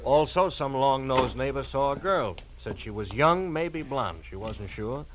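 A man playing a gruff, shrewd American police lieutenant in a 1940s radio crime drama, conversational but authoritative. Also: medium pitch, lively intonation, unhurried, noisy background, natural voice. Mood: matter-of-fact.

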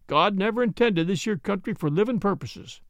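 Man doing a drawling frontier miner, lively pitch, dry close sound. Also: brisk, no echo. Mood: glum. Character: gloomy frontier miner Red Bill.

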